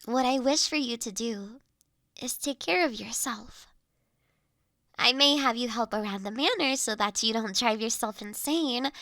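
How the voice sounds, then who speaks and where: Her voice high and full of character, a woman portrays a gentle young lady of the manor in an intimate roleplay audio drama. She lingers over formal, measured phrases that feel earnest and caring. The audio is close and very dry, with no room sound.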